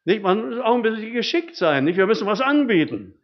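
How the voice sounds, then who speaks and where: An older man, a lay preacher, gives a sermon full of homely stories from his own life, often ending sentences with rhetorical tag questions in a folksy way. His voice sits high with big pitch swings and a fairly quick pace, on a dull, muffled recording.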